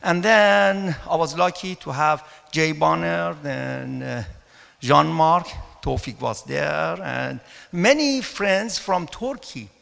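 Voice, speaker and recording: A middle-aged man from Iran with a Persian accent, giving an informal conference talk in a halting, hesitant way. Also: on the high side, creaky, fairly bright tone. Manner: hesitant, halting delivery with frequent pauses. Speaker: mathematics professor and conference speaker. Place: large conference hall, indoors at a podium. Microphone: handheld microphone. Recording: echoey hall with long reverb.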